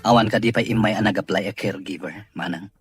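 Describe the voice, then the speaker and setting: An actor with an Ilocano accent playing an irritable, demanding disabled employer in a Filipino radio drama, in a husky, rough voice. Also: male voice, on the low side, fast talker, soft background music, lightly acted. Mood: grumbling.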